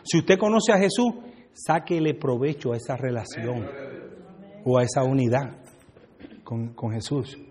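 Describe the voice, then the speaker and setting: Joking Puerto Rican pastor in a reverberant hall. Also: male voice, mid-range voice, measured pace, long pauses, a crowd in the background. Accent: Puerto Rican Spanish. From USA (Brooklyn), Puerto Rican family. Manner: joking, talks back and forth with the congregation. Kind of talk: conversational sermon. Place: church hall.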